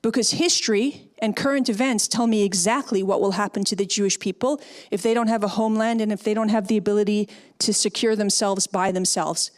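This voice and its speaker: A middle-aged woman from Canada speaks to an audience with emphatic conviction, building her points with rhetorical questions. Her pitch sits in the ordinary middle for a woman, and her delivery is firm and persuasive. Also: steady tone, fairly quick, few pauses. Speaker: guest speaker, former speechwriter. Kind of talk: public talk and audience Q&A.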